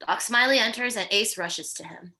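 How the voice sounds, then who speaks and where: A woman's voice: fairly high pitch, moderate pace, sharp tone. A woman narrating the stage directions of a screenplay at a table read.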